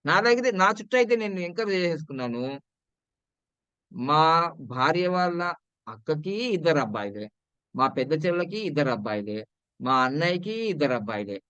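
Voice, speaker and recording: Telugu-accented man, casual talk, chatty, repetitive, smooth voice, dry dull lo-fi sound. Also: a little high, a bit bright, no room sound. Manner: chatty, repetitive, asks viewers to comment. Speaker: numerology and astrology presenter.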